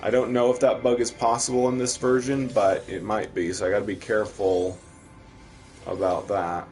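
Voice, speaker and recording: In a flat, lowish voice with a darkish tone, an American Midwest man with a Midwestern accent chats casually while streaming a game and answering viewers. He speaks at a normal speed, and soft background music plays.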